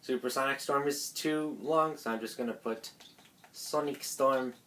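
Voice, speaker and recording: A woman's voice: a bass voice, a little slow, a bit bright, slight background noise. A woman doing an amateur read-aloud narration of a visual novel with asides, stumbling over lines and correcting herself. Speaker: video creator voicing a visual novel.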